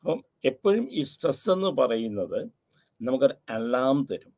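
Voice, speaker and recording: A man's voice: mid-range voice, big pitch swings, moderate pace, darkish tone. A man giving a recorded university psychology lecture, explaining step by step and repeating key terms, with English phrases mixed into his talk.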